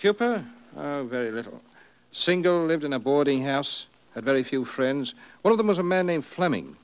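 An actor playing a methodical police officer in a 1950s radio drama, polite and measured as he explains. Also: on the high side, animated, clean tone, rough recording. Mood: matter-of-fact. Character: courteous, methodical male police officer in charge. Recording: vintage 1950s radio broadcast.

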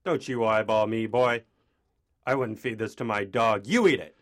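A man's voice: lowish voice, moderate pace, fairly bright tone, natural voice. A man playing a swaggering, furious, self-important chef in a melodramatic, pompous audio play parody. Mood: barking anger.

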